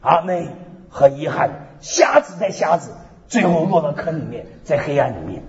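A man preaching a sermon with lively storytelling, repeating "hallelujah, amen" again and again, swinging between loud and soft. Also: on the high side, moderate pace. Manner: peppers speech with "hallelujah, amen" refrains. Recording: echoey hall, dull lo-fi sound.

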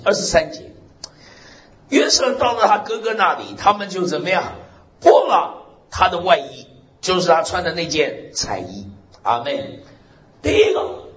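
A male pastor preaches in a loud, strong voice, his pitch rising and falling as he exclaims amen and hallelujah. The sound is roomy and somewhat dull, with a faint hiss beneath. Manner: animated preaching punctuated by frequent "amen" and "hallelujah", with laughter. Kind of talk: lively Mandarin sermon.

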